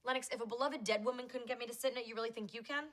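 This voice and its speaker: A woman's voice: a little high, steady tone, very fast, noisy background, close to an everyday voice. A woman playing a neurotic, defensive sitcom character who is easily flustered and over-explains. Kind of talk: sitcom acting.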